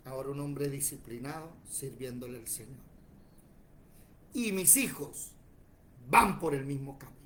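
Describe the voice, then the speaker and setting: A man, preaching a sermon in a church and telling lively stories in which he acts out other people's voices. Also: mid-range voice, unhurried, pauses often, slight background noise. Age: 40s. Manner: animated, tells stories acting out other voices.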